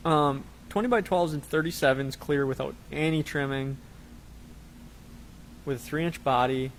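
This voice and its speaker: A man's voice: on the high side, measured pace, slight background noise. A man co-hosting a live show, talking casually and rambling with fillers. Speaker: co-host of a live truck parts show. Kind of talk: casual chat.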